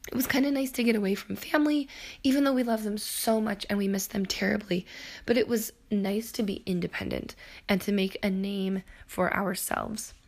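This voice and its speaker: A woman in her thirties hosting a solo podcast, telling her own story in a chatty way with a hoarse voice that keeps cracking, laughing often and wandering onto tangents. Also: mid-range voice, normal speed. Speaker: podcast host.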